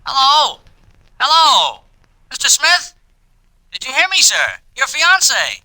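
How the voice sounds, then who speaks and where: An actress playing a polite young hotel switchboard operator in a 1940s radio drama, crisp and formal. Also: sits high, sing-song, takes it slowly, bright, forceful tone, dry recording, exaggerated voice, rough recording. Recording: old radio broadcast with music.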